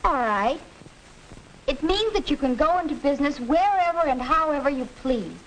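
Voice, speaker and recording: A young woman playing a confident high school student lecturing her classmates, in 1940s educational film acting, on a hissy old film soundtrack. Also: lively intonation, moderate pace, low-quality recording.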